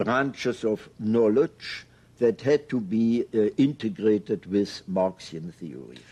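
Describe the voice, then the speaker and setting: Speaking very slowly, a man talks with a German accent. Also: quiet background. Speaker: philosopher. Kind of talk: interview answer. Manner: slow, measured, precise.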